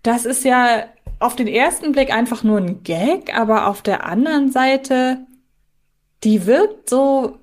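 A woman's voice: a little high, takes it slowly, darkish tone. A woman co-hosting a podcast, thinking aloud in a casual, conversational way. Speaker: podcast co-host.

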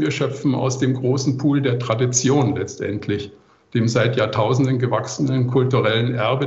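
Gravelly older man, dull roomy recording. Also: mid-range voice, darkish tone. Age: 60s. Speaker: interview guest, composer. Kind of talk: reflective interview answers.

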